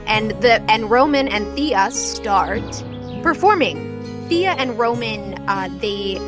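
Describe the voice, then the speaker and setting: A woman's voice: fairly high pitch, slow pace. Woman game master narrating over faint music. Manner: animated, informal, frequent "like". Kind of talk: improvised tabletop game narration.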